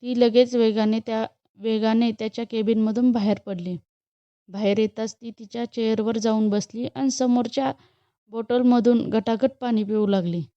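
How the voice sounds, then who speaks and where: A woman's voice: a little high, steady tone, moderate pace, no echo, muffled recording. Woman reading a bedtime love story. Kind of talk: scripted storybook narration.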